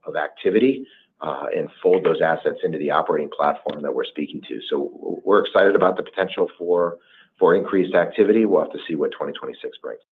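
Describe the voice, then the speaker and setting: A man's voice: extremely low pitch, fast talker. A male company executive giving hesitant, careful answers on an earnings call over a phone line. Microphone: conference call line. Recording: tinny narrow phone line.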